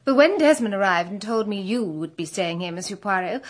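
A woman's voice: medium pitch, lively intonation, a little fast, close to an everyday voice. A woman playing a brazen, cynical young jewel thief in a radio drama, bold and mocking. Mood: cynical, bitter. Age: young adult.

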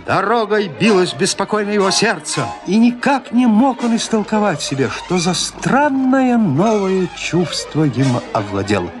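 Slow, expressive male storyteller. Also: high voice, music in the background. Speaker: narrator. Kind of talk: theatrical narration of a classic tale.

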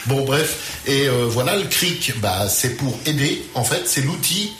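A man's voice: medium pitch, unhurried, roomy sound. A man talking casually on a radio show about the festival he organizes, hesitant and full of fillers. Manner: relaxed, hesitant, many fillers.

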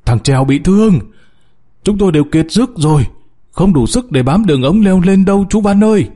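Brief: trapped older miner, pleading cries, higher and mellow, a man acting it out. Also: lively intonation, fairly quick. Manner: shouting, pleading. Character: older male miner trapped underground, desperate.

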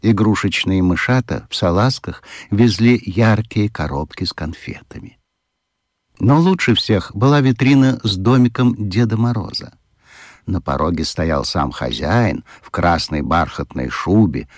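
Low-voiced man reading a storybook. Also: dry recording, clean studio sound. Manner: measured, storytelling. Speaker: narrator. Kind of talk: audiobook narration.

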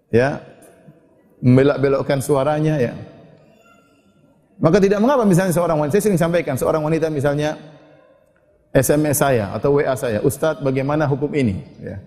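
A male Islamic preacher, lecturing a women's audience and reciting scripture slowly before explaining it. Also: fairly high pitch, dark tone. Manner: recites Arabic verses slowly then explains. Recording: long hall reverb.

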